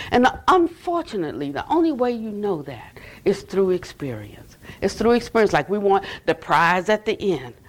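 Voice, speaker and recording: An older woman gives a dharma talk at a retreat center, her voice sitting high. She tells stories in a loose, animated way, often restarting her sentences and adding "you know". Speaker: Buddhist teacher. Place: retreat center meditation hall.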